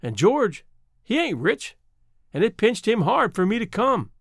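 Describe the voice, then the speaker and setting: Man doing a meek old widow, raised pitch, lively lilt, dry close sound. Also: unhurried, no room sound, exaggerated voice. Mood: plaintive. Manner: rural dialect, homely grammar; apologetic, wistful. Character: poor old widow from the mountains, gentle.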